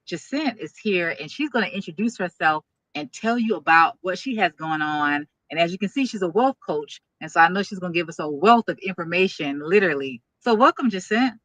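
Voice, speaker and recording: A woman's voice: on the low side, expressive, brisk, few pauses, fairly bright tone, dry recording. A woman hosting a business interview show, talking in an upbeat, enthusiastic, promotional way. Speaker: podcast host and speaking coach.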